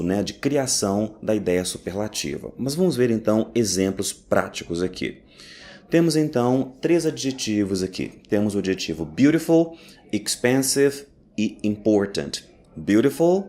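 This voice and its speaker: A man teaching English in a recorded lesson, explaining step by step and slowly repeating each phrase. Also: lowish voice, a little mellow. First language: Portuguese.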